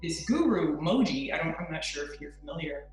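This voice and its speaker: A woman's voice: deep voice, lively intonation, fairly quick, faint music behind. A young woman, a guest on a chat show, talking openly and earnestly with lots of likes and ums. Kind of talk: casual interview talk. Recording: very echoey remote audio.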